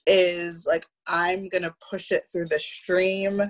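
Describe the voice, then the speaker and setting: A woman's voice: fairly low pitch, flat delivery. A woman in her thirties explaining things casually as a panel guest on a video call, often restarting words. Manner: halting, often repeats word beginnings. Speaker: panel guest, theatre producer. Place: plain room at home, indoors. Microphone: video call with headset.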